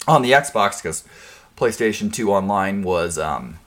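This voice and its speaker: A man's voice: on the low side, animated, measured pace, a bit bright. A man co-hosting a casual gaming podcast, rambling and restarting his sentences. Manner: rambling, frequent restarts and fillers. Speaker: podcast co-host.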